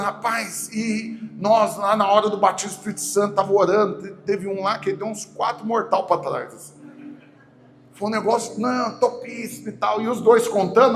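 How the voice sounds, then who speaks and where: A Brazilian man with a Goiás accent, preaching a sermon as a pastor and telling a story with acted-out dialogue that swings from hushed to loud. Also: high-pitched, normal speed. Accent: Goiás Brazilian Portuguese. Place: large church hall. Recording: echoey church hall, faint background noise.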